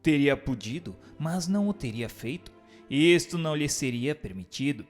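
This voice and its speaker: A man's voice: fairly high pitch, animated, moderate pace, soft background music. A man giving a formal, declamatory scripted reading as a narrator, in a question-and-answer style. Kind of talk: scripted dramatized reading of a spiritist book.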